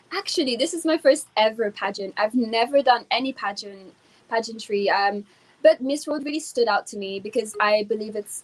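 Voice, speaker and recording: Fairly high-pitched woman's voice with a French accent, moderate pace and ordinary pitch variation. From France, Lyon. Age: 20s. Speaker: pageant candidate. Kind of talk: interview.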